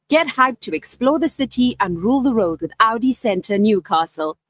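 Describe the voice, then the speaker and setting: A woman's voice: medium pitch, dry recording. A woman reading a polished, upbeat scripted radio advertisement. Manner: polished, upbeat sales read. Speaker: commercial voice-over.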